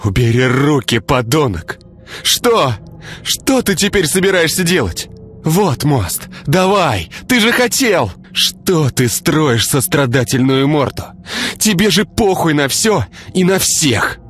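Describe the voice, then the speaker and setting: A man's voice: normal speed, soft background music, lightly acted. A male narrator voicing a frightened, furious young woman who sobs and stammers. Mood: hysterical. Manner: sobbing, stammering, shrill outbursts.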